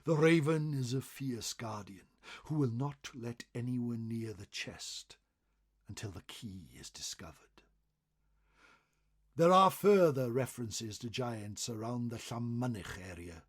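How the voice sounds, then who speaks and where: A man narrating folklore as a storyteller, expressive and dramatic, swelling on phrases and dropping to hushed endings. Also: mid-range voice, measured pace. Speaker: storyteller reading a folklore article.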